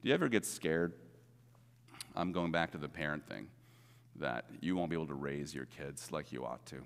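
A man's voice: very deep voice, moderate pace, vocal fry. A middle-aged man preaching a sermon as pastor, earnest and conversational, stressing points by repeating words. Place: church sanctuary. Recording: long reverb of a church hall.

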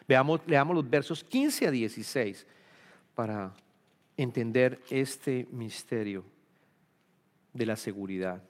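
A man preaching a sermon, emphatic and rising to loud peaks on key points. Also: medium pitch. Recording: reverberant hall.

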